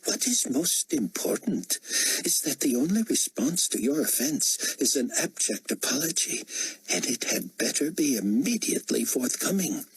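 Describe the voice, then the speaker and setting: Audiobook villain, acted by a man: haughty male dictator, pitched well above plain talk, very husky, coldly formal and commanding. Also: sing-song, normal speed, exaggerated voice, low-quality recording. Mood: indignant, commanding. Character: imperious, menacing male dictator, coldly contemptuous.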